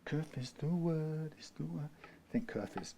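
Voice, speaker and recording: A man's voice: fairly high pitch, a little slow, gravelly, very noisy. A man from the UK working through a guitar repair, talking in a rambling way, correcting himself and dropping dry asides. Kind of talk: workshop how-to narration.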